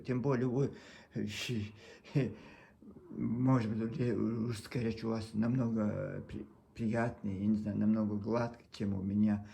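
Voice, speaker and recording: A low-pitched man with a Chechen accent speaks to his camera in a Russian that is not his mother tongue. His voice is gravelly and mellow. He sounds sincere and pleading, stumbling and circling back as he talks. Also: slight background noise. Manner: earnest, pleading, halting with frequent restarts. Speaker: video blogger. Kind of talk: casual monologue to camera.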